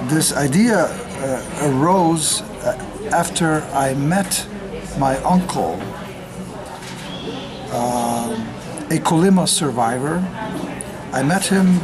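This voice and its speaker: An older man who grew up in the United States, a retired sociologist giving an unscripted personal account, often pausing on fillers as he speaks. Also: mid-range voice. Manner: halting, with frequent filler pauses. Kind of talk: unscripted spoken testimony.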